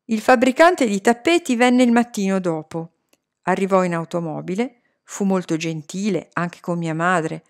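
A woman reading a children's story aloud, gentle and measured. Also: fairly low pitch. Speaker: reader.

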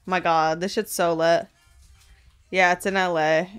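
A woman's voice: on the low side, little pitch movement, measured pace, clean tone, faint music behind. A woman in her twenties co-hosting a podcast in casual, sweary, slangy chat on a close studio microphone. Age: 20s. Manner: slangy, sweary, with heavy filler "like". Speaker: podcast co-host. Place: small room, indoors. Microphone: podcast microphone on boom arm.

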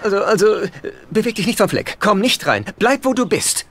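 A high-pitched, animated middle-aged sitcom father, fussy, whiny and easily flustered. He pleads and nags like a born freeloader, over noisy audience laughter. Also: brisk. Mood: flustered, pleading. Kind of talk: dubbed sitcom acting.

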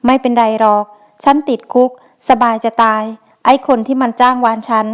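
A woman's voice: a little high, little pitch movement, moderate pace, clear, resonant tone, close to an everyday voice. A woman voicing a blunt, coarse older brother just out of prison, in a Thai audiobook novel. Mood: gruff. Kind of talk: audiobook character voice.

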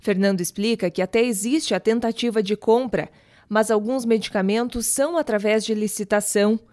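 A woman's voice: mid-range voice, no echo. Woman reporter narrating dry news voice-over. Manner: even, measured reporting delivery.

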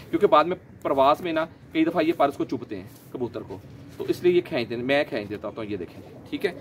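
A man, gently explaining his pigeon keeping in a casual vlog, a little hoarse from a sore throat. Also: on the high side, slight background noise. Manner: chatty, gentle, explains while handling birds. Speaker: pigeon keeper vlogger. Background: pigeons cooing.

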